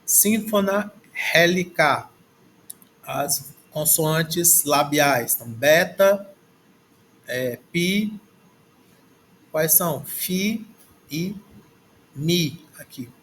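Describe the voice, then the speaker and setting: With a Brazilian Portuguese accent, a man whose voice sits on the high side and is fairly bright speaks very slowly, with lively intonation and frequent pauses over a little hiss or hum. In a screen recording at his desk, he reads through a textbook in a halting language lesson, repeating words aloud as he thinks.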